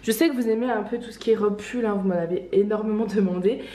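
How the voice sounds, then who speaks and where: This online clothing shop owner talks fast, her medium-pitched voice dark in tone and echoing around the room. She has a slight cold and presents her shop's outfits in a casual fashion try-on vlog, chatty and laughing lightly, with plenty of fillers and restarts.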